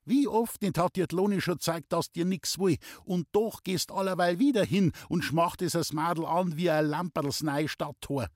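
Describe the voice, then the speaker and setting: A man reading an audiobook, voicing a sharp-tongued old village mother in a Bavarian accent, fussy and scolding. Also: on the high side, normal speed, hardly any pauses, no echo, clean studio sound, pitched above the performer's own voice, natural voice. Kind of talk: audiobook character voice.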